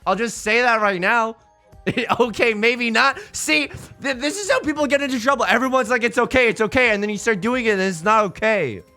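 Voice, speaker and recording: Animated guy streamer chatting w chat, bright voice, bit of music playing low behind. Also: fairly quick. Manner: animated and jokey, with frequent restarts and repeated words. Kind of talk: casual chat with stream viewers.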